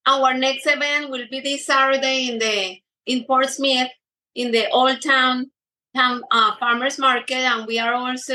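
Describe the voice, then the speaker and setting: A woman's voice: high voice, sharp tone, low-quality recording. A middle-aged woman guest speaking in a casual interview, hesitant with many fillers and restarts. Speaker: guest baker.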